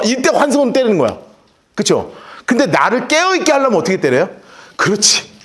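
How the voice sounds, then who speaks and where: A male pastor preaching a sermon in an animated, joking way, acting out little scenes and urging the congregation along. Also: sits high, slight background noise.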